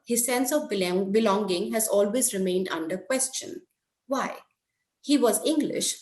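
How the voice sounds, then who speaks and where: A woman of middle pitch reads her conference paper aloud, measured and careful, leaning slowly on key words. Her voice rings in an echoey room. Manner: measured, careful reading with slow stresses. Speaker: academic presenter.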